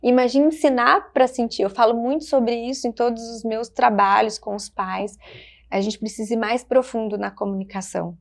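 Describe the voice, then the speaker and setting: A woman with a Brazilian Portuguese accent, a child development specialist speaking gently and reflectively in short phrases on a podcast. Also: fairly high pitch, fairly even intonation, moderate pace, creaky. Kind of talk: podcast conversation.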